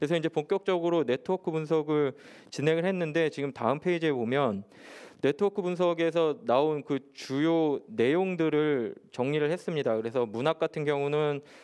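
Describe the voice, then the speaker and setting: An ordinary speaking voice at a moderate pace, with ordinary pitch variation and very even loudness. The background is quiet. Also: man. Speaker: arts policy researcher; panel discussant. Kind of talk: conference presentation. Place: hall.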